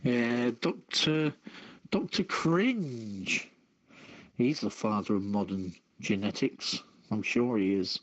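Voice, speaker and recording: Slow-talking man, muffled voice chat. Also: mid-range voice, animated. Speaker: quiz contestant. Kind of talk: casual joking chat. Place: online push-to-talk voice chat. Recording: dull lo-fi voice-chat audio.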